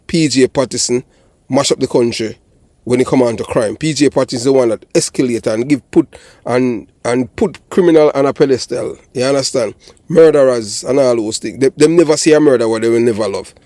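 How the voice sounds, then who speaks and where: An older Jamaican-accented man, a channel host and commentator who used to be a police officer, delivers blunt, emphatic political commentary and often checks that listeners are following. His voice is medium-pitched and dark, recorded with no echo.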